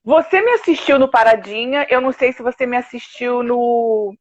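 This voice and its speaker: An older woman with a Brazilian Portuguese accent, a singer telling stories with lively quoted asides in a casual interview. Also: a little high, normal speed, no echo. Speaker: guest, opera and musical theatre singer. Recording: dull, dry video-call audio.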